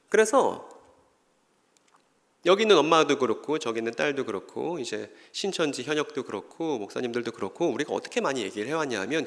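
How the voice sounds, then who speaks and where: A man's voice: fairly high pitch, fairly bright tone. A man giving a Bible lecture at a church, who keeps putting questions to the audience and then answering them himself. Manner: acts out short scripture dialogues in voices. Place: church hall. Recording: long reverb of a church hall.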